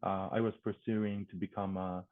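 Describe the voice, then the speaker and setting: A man's voice: low voice, little pitch movement, moderate pace, no echo. Japanese-accented man on a phone-like line. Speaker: interview guest. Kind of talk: casual interview answers. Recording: thin phone-like call audio.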